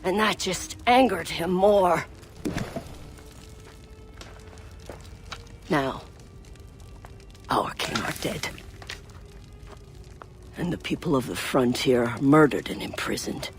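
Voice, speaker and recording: A woman playing a stern tribal elder and spiritual guide in a video game, speaking in a solemn, deliberate, commanding way. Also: sits low, lively intonation. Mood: grave. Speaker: game character giving guidance. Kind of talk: dramatic video game voice acting. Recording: music behind the voice.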